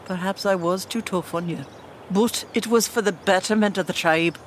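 A woman's voice: mid-range voice, moderate pace, a little hiss or hum, natural voice. A woman playing a stately tribal queen and mother in a fantasy audio drama, stern yet regretful, speaking formally and regally.

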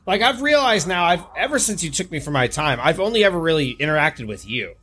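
A man's voice: fairly high pitch, very animated, fast talker, fairly bright tone, a little hiss or hum. A man playing a tabletop game in character, asking probing, suspicious questions. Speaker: player.

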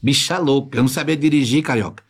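A man in his fifties, a podcast guest telling stories in an animated, slangy way and acting out the quotes. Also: mid-range voice, quick pace, slightly rough. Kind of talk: storytelling in casual podcast chat.

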